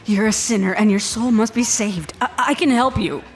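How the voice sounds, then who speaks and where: A woman's voice: a little high, moderate pace, soft background music, close to an everyday voice. An actress playing a creepy, insistent older woman who preaches at strangers in a horror audio drama. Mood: eerie, pleading.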